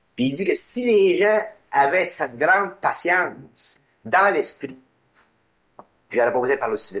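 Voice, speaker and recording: A man with a Quebec accent speaks in a high voice, his pitch swinging very widely, with long, frequent pauses. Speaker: spiritual teacher. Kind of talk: informal talk to a small group. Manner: fast; repetitive.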